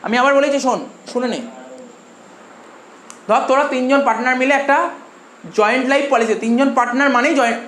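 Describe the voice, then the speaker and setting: A man's voice: very high-pitched, steady tone, fast talker, long pauses, fairly bright tone. A male commerce teacher with a Bengali accent, lecturing a class and constantly quizzing his students with repeated questions. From India. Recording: echoey room with faint noise.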